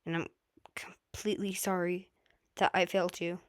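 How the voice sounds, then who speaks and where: Woman reading as a male teacher, storybook hero, remorseful, weary, subdued, halting, dry recording. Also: lowish voice, level tone, dry recording, natural voice. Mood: guilty, remorseful. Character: guilt-ridden adult male hero teacher, weary and sorrowful.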